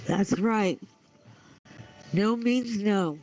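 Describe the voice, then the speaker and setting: Slow-talking woman caller, muffled sound. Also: mid-range voice, noisy background. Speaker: caller on a voice-chat show. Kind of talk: casual remarks and questions.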